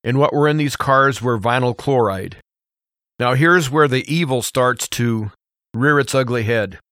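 An American man hosting a radio show, giving an opinion monologue in an emphatic, deliberate way with rhetorical questions. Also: medium pitch, a bit bright, no room sound, studio quality.

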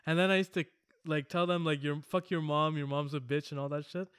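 A man's voice: fairly high pitch, steady tone, fairly quick, a bit bright, clean tone, dry recording, clean studio sound. Laughing, rambling young-sounding man. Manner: laughs often, swears, rambling storytelling. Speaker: podcast co-host. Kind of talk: casual chat.

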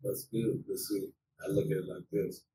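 A man's voice: deep voice, flat delivery, normal speed. A man who is a regular guest on a wine podcast, easygoing, repeating himself and laughing as he chats. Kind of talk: casual chat over wine. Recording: roomy, distant mic, faint noise.

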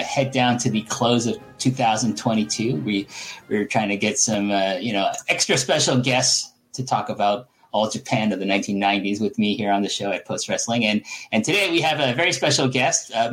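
A man hosting a podcast interview in casual chat, halting and often repeating his words. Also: lowish voice, fairly bright tone, low-quality recording. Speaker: podcast host.

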